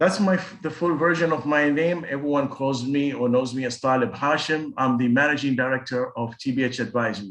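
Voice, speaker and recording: A man with an Arabic accent, fairly high-pitched, at a fairly quick pace with hardly any pauses and ordinary pitch variation. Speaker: keynote speaker, entrepreneur. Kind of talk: keynote speech.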